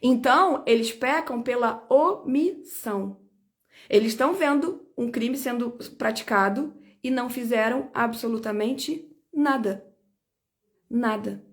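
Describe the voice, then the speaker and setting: A high-pitched woman speaks to the camera in a personal video statement. She sounds indignant and insistent, stressing and repeating her points as she lays out her side. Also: measured pace. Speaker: lawyer recounting her own detention.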